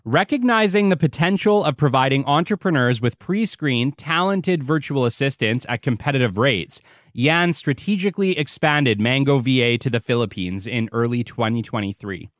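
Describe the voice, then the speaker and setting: A man's voice: medium pitch, expressive, moderate pace, no echo. A male podcast host with an upbeat, enthusiastic delivery and an easy laugh. His mid-range voice sits close to the mic in a dry, dead-sounding space. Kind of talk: scripted intro reading, then casual interview chat.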